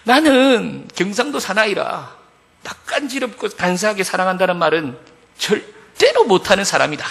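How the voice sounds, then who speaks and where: A man voicing a blunt, gruff young groom with a Gyeongsang accent, making a loud, curt declaration. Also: high voice, big pitch swings, moderate pace, long reverb tail, pitched above the performer's own voice, exaggerated voice. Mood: declaring. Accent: Gyeongsang dialect.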